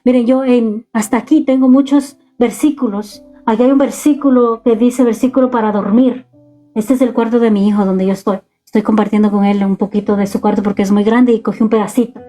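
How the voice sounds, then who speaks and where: A woman in middle age gives an exhorting home sermon from her son's bedroom, talking straight to parents. Her voice sits a little high and sounds mellow and dark in tone. Faint music plays behind her. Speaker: preacher.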